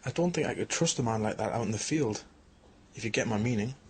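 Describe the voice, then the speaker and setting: A man's voice: mid-range voice, lively intonation, fast, slight background noise, close to an everyday voice. A man playing an earnest English researcher. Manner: earnest, plain storytelling. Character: young Englishman turned Bigfoot researcher.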